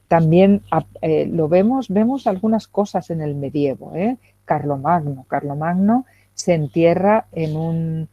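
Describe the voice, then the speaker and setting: A woman's voice: sits low, dark tone, no room sound. A middle-aged woman giving an academic lecture, talking hesitantly with many fillers and checking questions. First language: Spanish. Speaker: guest lecturer. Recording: dull lo-fi video call audio.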